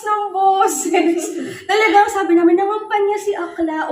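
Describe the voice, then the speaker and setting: Audible room echo follows a woman who speaks at a moderate pace. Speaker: pageant commentator and interviewer. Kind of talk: interview.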